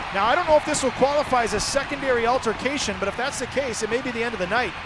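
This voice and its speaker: Over noticeable background noise, a man speaks at a very fast pace in an extremely high pitch with an animated, excited tone and ordinary pitch variation. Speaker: hockey play-by-play announcer. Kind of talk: live play-by-play commentary in highlight reel. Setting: arena broadcast recording. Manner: animated, fast-paced, excited on goals; clipped rhythm, rising intensity at each score.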